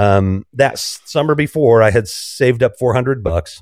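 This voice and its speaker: A man with an American accent, an ordinary speaking voice, medium pitch and lively intonation, in a very clean recording with a silent background and a dry, close sound with no echo. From US Midwest. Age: 50s. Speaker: podcaster. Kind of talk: casual chat.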